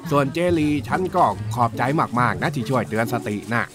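Guy doing a cranky old uncle in a kids radio play, bossy and blustery, middle pitch, music going underneath. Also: brisk, close to an everyday voice. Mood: grudging. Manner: scolding, blustery, rustic speech. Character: grumpy impatient old uncle, rustic and bossy. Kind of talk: children's radio drama acting.

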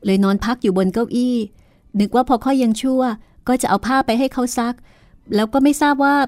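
A woman's voice: fairly high pitch, a little fast, a little mellow, no room sound, studio quality, pitched above the performer's own voice, natural voice. A woman voicing a poor young woman who pleads and then answers curtly and defiantly. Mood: bewildered. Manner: tearful pleading turning curt.

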